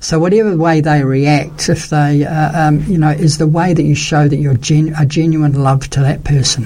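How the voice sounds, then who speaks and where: A fairly high-pitched man with an Australian accent at a moderate pace, with hardly any pauses, fairly even intonation and very even loudness, over noticeable background noise. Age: 60s. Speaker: retired pastor. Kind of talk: religious radio talk show.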